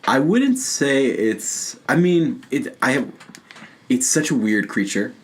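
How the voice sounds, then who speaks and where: A man co-hosting a podcast, chatting casually about film and TV in a halting, rambling way and prone to laughing. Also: medium pitch, very animated. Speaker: podcast co-host.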